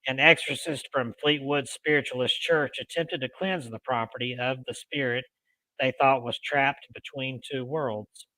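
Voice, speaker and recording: Male paranormal show host, deliberate storytelling read with casual touches, forward bright tone, dry recording. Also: medium pitch, fairly even intonation, no echo, rough recording. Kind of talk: reading ghost stories aloud with casual asides.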